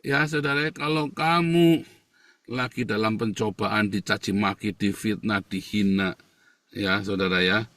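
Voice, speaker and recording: A man, a pastor, preaching a sermon emphatically, moving between loud scolding and soft, hushed passages. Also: fairly low pitch, steady tone, a little slow, dry recording, distant mic.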